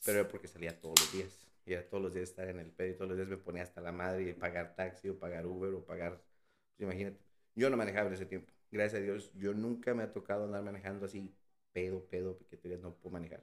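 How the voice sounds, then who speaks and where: At a very fast pace, a man speaks in a very deep, low pitch with monotone, flat intonation. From Mexico City. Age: 40s. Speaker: podcast guest. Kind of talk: casual chat.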